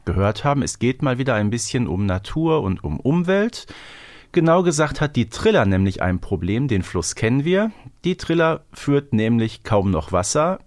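A man's voice: mid-range voice, dry recording. A man co-hosting a podcast, talking in a conversational way. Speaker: podcast co-host.

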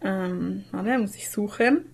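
A woman's voice: mid-range voice, slow, a little mellow, husky. A woman chatting casually as a podcast co-host. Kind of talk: casual chat.

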